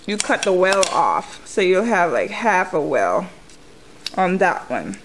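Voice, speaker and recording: A woman with a fairly low, very animated voice speaks slowly while chewing gum, walking through a nail tutorial step by step in a casual, conversational way. The recording is low quality, with a slight hiss or hum.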